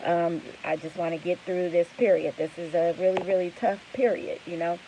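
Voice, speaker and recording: A woman's voice: lowish voice, steady tone, normal speed, dark tone, slight background noise, low-quality recording. A tired woman who runs a trucking business, talking candidly and rambling to her viewers in a casual vlog, full of fillers.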